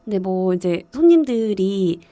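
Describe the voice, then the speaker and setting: A woman's voice: mid-range voice, expressive, a little slow, warm tone, no echo. Korean lady from gyeongsang, mostly seoul accent, giggly casual radio chat, dry close sound. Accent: mostly standard Seoul. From rural mountainous Gyeongsang, South Korea. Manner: giggly, often laughs while talking. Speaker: radio show guest or co-host. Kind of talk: casual chat, personal anecdotes.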